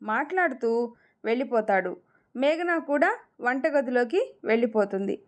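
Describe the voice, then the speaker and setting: A woman narrates a romantic family story aloud, shaping each line with expression. Her voice sits high. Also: expressive, moderate pace.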